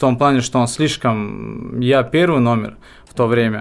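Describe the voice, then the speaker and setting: Speaking at a moderate pace, a man with a medium pitch uses a normal speaking voice. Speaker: MMA fighter. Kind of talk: interview.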